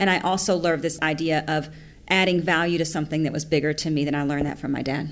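Very fast speech comes from a woman with a very deep, low pitch. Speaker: business executive. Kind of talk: live interview. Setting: stage with audience. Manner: fast talker; animated.

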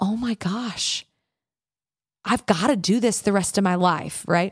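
A woman speaks at a medium pitch with an American accent. The recording is very clean with a silent background and a dry, close sound with no echo. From US South, Memphis, Tennessee. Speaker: worship pastor. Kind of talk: casual chat. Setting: live recording at summer camp.

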